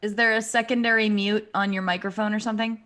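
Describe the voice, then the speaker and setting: A woman's voice: mid-range voice, flat delivery, fast, fairly bright tone, slight background noise. A woman chatting casually on a group video call.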